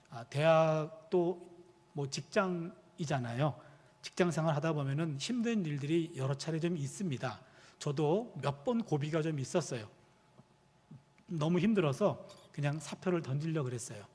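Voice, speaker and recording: A man's voice: a little high, normal speed. A man in his fifties, a pastor and professor, preaching a sermon full of personal stories and acting out the dialogue. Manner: animated storytelling, acting out quoted dialogue. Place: church sanctuary. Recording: long reverb of a church hall.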